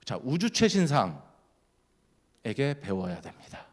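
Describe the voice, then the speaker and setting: Lively man preaching with a sweeping pitch. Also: measured pace, husky. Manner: lively, keeps quizzing the congregation. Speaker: guest speaker at a church. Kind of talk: sermon.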